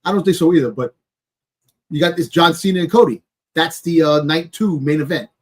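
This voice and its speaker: A man co-hosting a casual sports discussion, speaking haltingly as he gropes for words. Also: on the high side. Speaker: wrestling podcast co-host.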